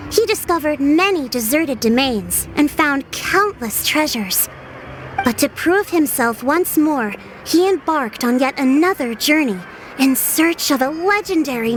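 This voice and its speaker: A woman playing a composed, courteous female tribal chief in a video game, speaking in a formal, measured way. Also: sits high, slight background noise, poor audio. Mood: storytelling. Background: music.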